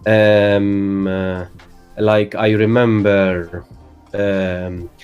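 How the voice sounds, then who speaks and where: A young man with a Maltese accent answers interview questions in a low, bassy voice, pausing often to search for words. Faint music plays softly behind him. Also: flat delivery, clear, resonant tone, muffled recording. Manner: hesitant, many fillers, calls his own voice bassy. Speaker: guest streamer. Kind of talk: casual interview chat.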